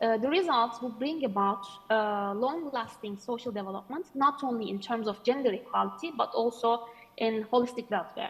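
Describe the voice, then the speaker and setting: Speaking at a moderate pace, a woman with a Turkish accent has a high-pitched voice. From Turkey. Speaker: academic researcher. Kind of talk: conference presentation. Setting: video call.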